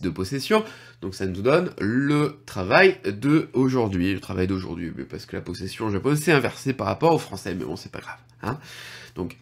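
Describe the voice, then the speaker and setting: Man, French accent, casual video lesson, jokey asides, lots of fillers. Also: mid-range voice. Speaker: YouTube host teaching Japanese.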